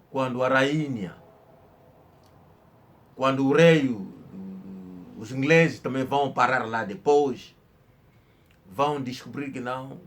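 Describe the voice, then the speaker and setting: Um homem que conta história num tom informal, falando de forma enfática, com repetições e hesitações. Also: male voice, medium pitch. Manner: slow, emphatic storytelling with hesitations and repetitions. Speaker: channel host. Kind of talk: informal history talk.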